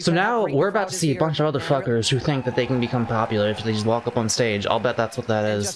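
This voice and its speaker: A man races through his words at a very fast rate against noticeable background noise. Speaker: streamer reacting to a game showcase. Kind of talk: casual live-stream commentary. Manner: animated.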